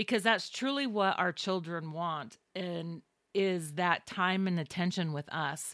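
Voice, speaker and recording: A woman's plain, everyday voice, fairly low in pitch with ordinary variation, at a fairly slow pace on a very clean recording with a silent background. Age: 50s. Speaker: podcast host and accountant. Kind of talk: solo podcast monologue on spiritual finance.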